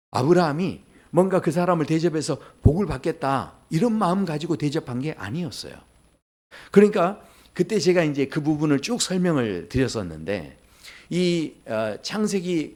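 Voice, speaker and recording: A man pastor preaching a sermon in a church, talking straight to the congregation and acting out the voices in the stories he tells. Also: a little high. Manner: lively, acts out voices in quoted dialogue; talks directly to the congregation with questions. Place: church sanctuary.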